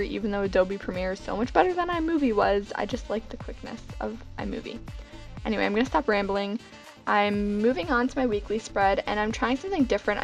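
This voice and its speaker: Hoarse young woman rambling over soft music. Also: on the high side. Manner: rambling, filler-heavy and self-deprecating. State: hoarse, getting over being sick. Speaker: bullet journal vlogger. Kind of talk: casual voice-over narration.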